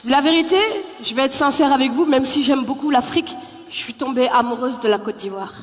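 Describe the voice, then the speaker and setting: A woman stand-up comedian from the Paris suburbs, lively and teasing, who talks directly to the crowd in a high voice. She is heard from a live stage, with the long echo of a hall and a faint murmur of the audience. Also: fairly quick, background noise. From Paris suburbs, France.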